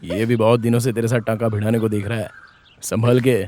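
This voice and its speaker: An actor dubbing a gruff, teasing young man in a film. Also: lowish voice, level tone, a little fast, mellow, slight background noise, close to an everyday voice.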